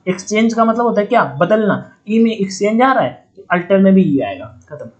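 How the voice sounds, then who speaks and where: A man's voice: high voice, very animated, fairly quick, darkish tone, highs cut off. A man giving a casual online vocabulary lesson for exam students. He explains words with joking memory tricks and talks to viewers like a friendly older brother.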